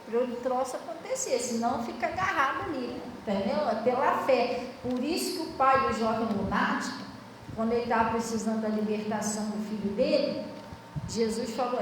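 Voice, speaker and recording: High-voiced Brazilian woman pastor preaching. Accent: Brazilian Portuguese. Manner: conversational preaching, keeps asking the congregation if they understand. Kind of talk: sermon. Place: church hall. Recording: echoey hall, distant mic, room noise.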